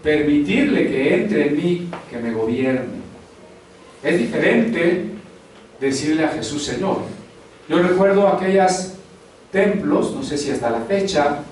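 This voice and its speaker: Male pastor, sermon, high-ish voice, far from the mic in a very echoey hall. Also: animated, slow pace, a little mellow, slight background noise. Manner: conversational preaching with rhetorical questions. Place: church hall.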